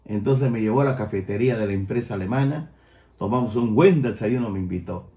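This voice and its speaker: An older man with a Peruvian Spanish accent, preaching a sermon as pastor and rising loud on his key points. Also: lowish voice, fairly quick, echoey room. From Peru.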